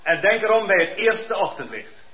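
An actor playing a stern, formal chief magistrate in a radio play. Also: male voice, high voice, sing-song, moderate pace, fairly bright tone. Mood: commanding. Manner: formal, commanding. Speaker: judge. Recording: dull, echoey old radio recording.

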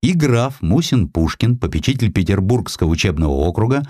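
Expressive low-voiced male audiobook narrator. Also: fairly quick, dry recording, clean studio sound. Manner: expressive, storytelling delivery. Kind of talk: scripted literary narration of a historical sketch.

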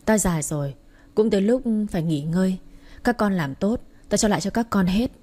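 A woman voicing an old, wealthy company chairman who speaks in a measured, commanding way. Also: mid-range voice, animated, mellow, lightly acted. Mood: calm. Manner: measured and authoritative.

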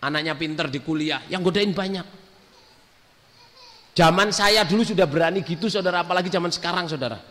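Bright-voiced male preacher in a hall. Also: high voice, fairly quick, pauses often. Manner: storytelling sermon mixing in English, acting out quotes. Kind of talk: sermon. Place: mosque or prayer hall with a congregation. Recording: hall reverb.

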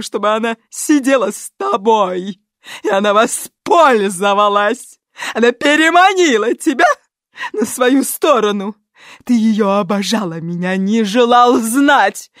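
A shrieking, hysterical middle-aged actress. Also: female voice, dry recording, clean studio sound. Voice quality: shrill, shrieking. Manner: ranting, slow and drawn-out. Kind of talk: audiobook character voice.

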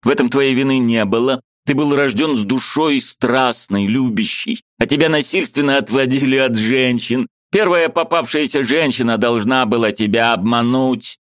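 A man voicing a fiery, preachy male friend who hammers home his points in a high, heated voice with a Ukrainian-tinged accent. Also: normal speed, hardly any pauses, dry recording, studio quality, close to an everyday voice. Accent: Little Russian (Ukrainian) inflection.

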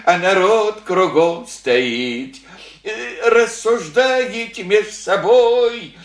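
An actor playing an old village widower, gentle and grieving, talking in folksy rural speech with sighs. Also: male voice, on the high side, echoey room, full character voice. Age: older. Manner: folksy rural speech, slow and rambling, sighing. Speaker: elderly village father. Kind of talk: radio play acting.

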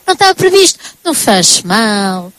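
A woman's voice: medium pitch, very animated, normal speed, fairly bright tone, no room sound. A woman, interviewing students live on radio in a chatty, effusive and encouraging way.

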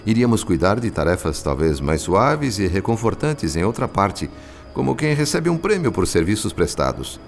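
A very deep, unhurried spirit narrator with a Brazilian Portuguese accent, telling the story in a measured, solemn radio drama delivery. His voice rings with a long reverb, and music plays clearly beneath him. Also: very animated. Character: calm discarnate spirit doctor narrating.

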